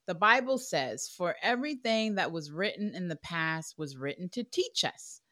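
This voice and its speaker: A woman's voice: fairly low pitch, lively intonation, moderate pace, pushed and bright. A woman in her forties hosting a casual podcast about faith and money, laughing often and playful as she talks. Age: 40s. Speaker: podcast host.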